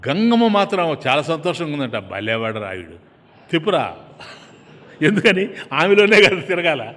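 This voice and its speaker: A man's voice: fairly high pitch, moderate pace. Male preacher telling a sacred story. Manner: animated storytelling, acting out characters. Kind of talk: devotional sermon storytelling. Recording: long hall reverb.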